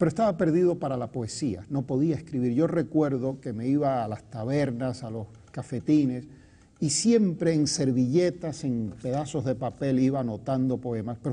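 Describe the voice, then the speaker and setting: A man with a fairly high pitch and a dark, mellow tone sounds somewhat breathy, his intonation lively over a quiet background. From Cuba, Havana. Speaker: poet. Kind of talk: interview.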